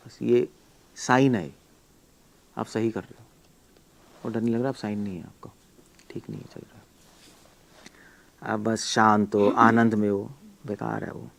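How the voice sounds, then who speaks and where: Blunt, forceful male preacher. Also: lowish voice, fairly even intonation, measured pace, vocal fry, long pauses. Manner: forceful, blunt, rhetorical questions, mixing in English. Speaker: monk and preacher. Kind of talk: lecture with questions from listeners.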